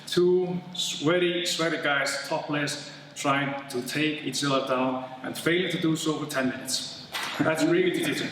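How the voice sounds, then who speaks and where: A man doing stand-up for the first time, animated, putting on excited voices for his jokes. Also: fairly high pitch. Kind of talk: stand-up set. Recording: echoey hall, distant mic, noise.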